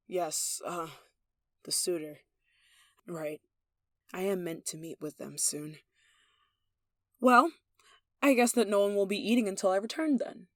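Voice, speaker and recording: A woman's voice: mid-range voice, a bit bright, dry recording, studio quality. A woman playing a possessive, haughty young noble in a yandere ASMR roleplay, speaking in an imperious, jealous way with sighs. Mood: hurt, quiet, then angry, imperious. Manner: imperious, indignant, sighing, clipped commands.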